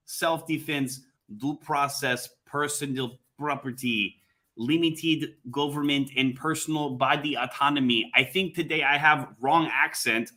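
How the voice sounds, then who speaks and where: Pompous German-accented villain. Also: male voice, a little high, sharp tone, full character voice. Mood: haughty, then indignant. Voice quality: thick mock foreign accent with broken English. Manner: slow, theatrical, haughty, scolding. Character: pompous, scolding authoritarian male villain named Klaus, globalist caricature. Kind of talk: comic caricature on a livestream.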